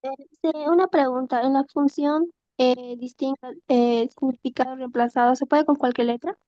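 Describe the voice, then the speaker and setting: High-voiced woman student, hesitant questions, mellow tone, dull distant sound. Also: fairly even intonation, normal speed.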